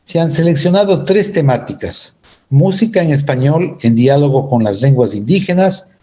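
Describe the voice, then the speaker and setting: A man giving scripted narration in a measured, formal delivery. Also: a little high, dark tone.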